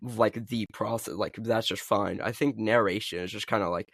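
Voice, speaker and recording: A young man in a casual podcast chat, his voice sitting a little low. He talks in loose, halting runs packed with "like" and "uh". The sound is dry and close, with no room in it. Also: fairly even intonation, fairly bright tone, no echo. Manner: halting, filler-heavy, lots of "like". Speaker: podcast co-host and video creator.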